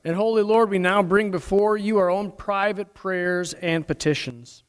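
A man's voice: sits high, measured pace, clean tone. A man with an American accent, a pastor solemnly leading formal prayers and liturgy in a church service. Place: large church interior during a service. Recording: echoey hall with long reverb.

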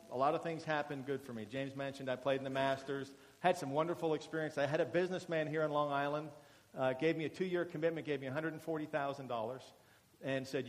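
Speaking to a congregation as a church guest, this man in his forties tells his testimony in a chatty, self-mocking way, tripping over words with many fillers and restarts. His slightly high male voice rings through a long, hall-like echo.

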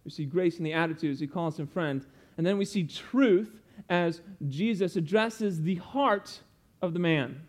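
A man's voice: on the high side, normal speed, few pauses. A young man preaching a sermon, earnest and explanatory, stopping to teach with asides.

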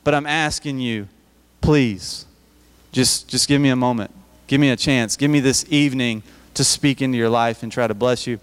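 Give me a man preaching to teenagers in a relaxed, repetitive way, smooth voice, reverberant hall. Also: medium pitch, normal speed. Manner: conversational, repeats words and restarts. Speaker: youth speaker. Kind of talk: youth service sermon. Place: church hall.

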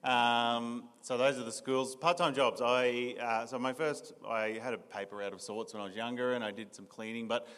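A man's voice: medium pitch, fairly even intonation, normal speed, few pauses, fairly bright tone, clear, resonant tone. Earnest Australian man in a reverberant hall. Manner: earnest, with many ums and restarts. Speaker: new church staff member being interviewed. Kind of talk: personal testimony in a church interview. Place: church hall.

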